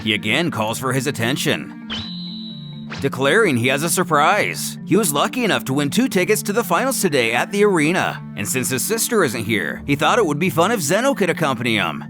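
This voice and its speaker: A man's voice: on the high side, big pitch swings, fairly quick, over music. A man delivering dramatic scripted narration in a theatrical, emphatic way, as the narrator of a fan story recap.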